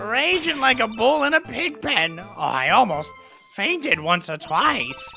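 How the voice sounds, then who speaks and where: Using a put-on character voice, a woman swings her fairly high pitch very widely over clear music in the background. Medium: actual play. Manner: chatty, folksy.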